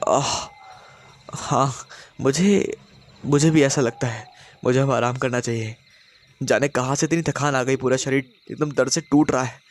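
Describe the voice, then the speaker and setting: A man voicing a stubborn young wife, raising his pitch and speaking defiantly. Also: fairly even intonation, a little slow, lightly acted. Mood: feigned concern. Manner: pitched up, defiant, later feigning innocence.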